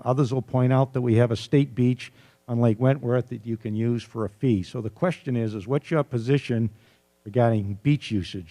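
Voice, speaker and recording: A man acting as forum moderator, reading questions out in a measured, neutral, explanatory way. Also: medium pitch, warm tone. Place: arts center candidate forum.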